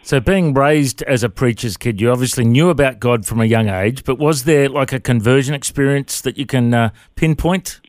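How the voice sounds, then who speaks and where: A man's voice: medium pitch, normal speed, few pauses, darkish tone, no echo. Friendly male interview host. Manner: friendly, laughs often. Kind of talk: casual interview.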